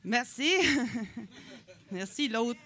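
A woman's voice: on the high side, very slow, fairly bright tone. A woman in her forties from Quebec City with a Quebec French accent, doing a chatty, self-mocking stand-up set with lots of filler words. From Quebec City, Canada. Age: 40s. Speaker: stand-up comedian. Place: comedy night on stage.

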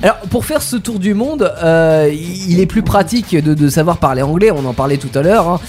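A man's voice: on the high side, expressive, brisk, a little mellow, soft background music. A man hosting a casual radio quiz, playful, repeating his questions and laughing at himself.

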